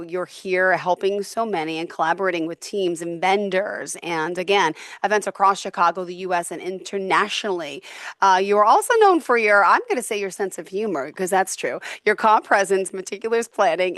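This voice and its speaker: A woman's voice: on the low side, fairly bright tone, no room sound, studio quality. A woman hosting an interview show in a conversational style, introducing and questioning a guest.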